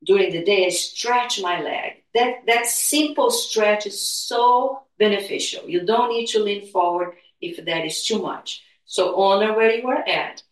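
A woman teaching guided meditation and gentle movement in a soothing, unhurried, spiritual healer-like manner. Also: mid-range voice. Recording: echoey room, distant from mic.

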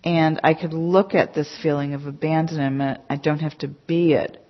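A low-voiced woman teaches a meditation class in a chatty, emphatic way, scattering "you know" through her points. The recording is dull and lo-fi, with the top end muffled. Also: fairly even intonation, normal speed. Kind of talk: conversational dharma talk to a class. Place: meditation center hall.

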